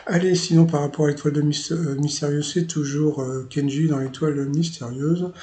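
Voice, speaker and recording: Chatty Parisian man, mellow tone. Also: fairly high pitch, steady tone, moderate pace. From Paris, France. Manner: chatty and rambling, full of filler words, amused asides. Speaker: channel host recapping a TV quiz show. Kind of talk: casual spoken recap commentary.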